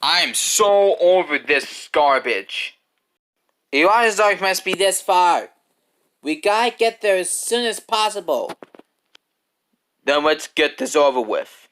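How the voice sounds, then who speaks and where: Man acting a high, defiant hedgehog hero. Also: animated, slow pace, pauses often, a bit bright, smooth, exaggerated voice. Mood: weary resolve. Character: defiant young male hedgehog hero, earnest and determined. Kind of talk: dramatic voice acting in fan cartoon cutscenes.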